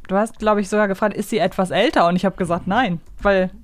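A woman's voice: medium pitch, fairly even intonation, fast, no echo. Woman chatting casually in a dry recording. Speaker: co-host of a fan show, guessing game player. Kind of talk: casual game chat, thinking aloud.

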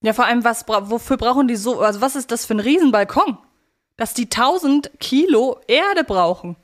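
A woman's voice: a little high, animated, normal speed. Wry woman co-hosting a casual podcast. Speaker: podcast co-host. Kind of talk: casual chat reviewing an audio drama.

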